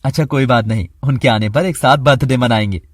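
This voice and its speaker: A man's voice: mid-range voice, brisk, no room sound, clean studio sound. Plain indignant male voice. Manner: scolding, indignant. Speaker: voice actor in a family drama. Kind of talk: dramatized family storytelling.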